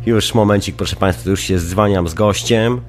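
Stuffy-nosed, low-voiced man hosting radio. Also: moderate pace, soft background music. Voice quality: stuffy, nasal voice from a runny nose. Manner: chatty, repeats phrases for emphasis. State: congested with a head cold, sniffling. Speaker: radio show host. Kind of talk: casual live internet radio hosting.

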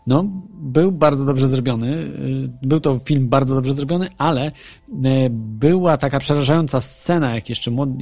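A man's voice: mid-range voice, vocal fry, darkish tone, breathy edge. A man hosting an internet radio show, talking casually and hesitantly with frequent fillers and restarts. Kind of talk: casual radio talk with ghost stories. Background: faint music bed.

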